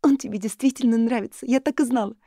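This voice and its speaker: A woman reading an audiobook, voicing a lively, teasing young married woman who is insistent and hungry for gossip. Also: on the high side, brisk, no echo, clean studio sound, voice pushed up, natural voice.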